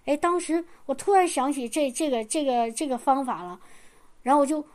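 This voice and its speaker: A middle-aged woman telling a personal testimony to a church congregation, earnest and halting, often restarting her sentences. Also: high voice, darkish tone. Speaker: church member sharing a testimony.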